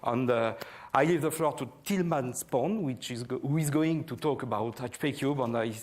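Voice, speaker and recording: A man's voice: mid-range voice, normal speed, a little hiss or hum. French-accented male engineer, non-native English speaker, hesitant science briefing delivery. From France. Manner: hesitant, many fillers. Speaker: project manager of a space instrument.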